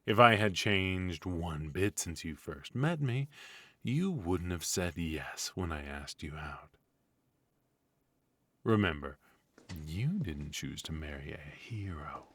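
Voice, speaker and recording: Casting: male actor as retired supervillain husband for comedy ASMR, very low, slow drawl, teasing and theatrical. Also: lively intonation, a bit bright, dry recording, heavily acted. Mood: sinister affection. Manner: theatrical, drawling, mock-sinister.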